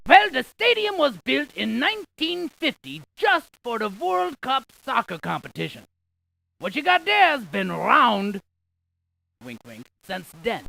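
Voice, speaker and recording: A man voicing an excitable, quirky scientist in a video game, with a creaky voice and a folksy, jokey, exaggerated delivery. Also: extremely high pitch, no echo, heavily acted. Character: excitable, quirky scientist tour guide, full of folksy quips. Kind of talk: cartoonish video game character lines.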